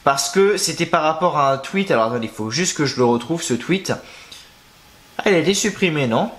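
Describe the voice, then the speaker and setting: A man's voice: on the high side, animated, fairly quick, a bit bright. A young man chatting casually to camera, rambling and slangy, thinking aloud as he searches for things. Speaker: wrestling news youtuber.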